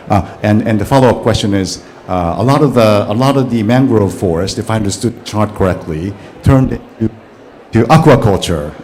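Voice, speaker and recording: A man from Japan asking a question from the audience, halting with many restarts. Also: on the low side, darkish tone, a little hiss or hum. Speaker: audience member. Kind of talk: question from the floor.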